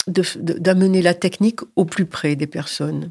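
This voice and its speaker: Speaking at a very slow pace, a woman has a dark, mellow tone and ordinary pitch variation. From southern France, Montpellier. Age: 70s. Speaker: retired local politician. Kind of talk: interview. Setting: at her home. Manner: halting.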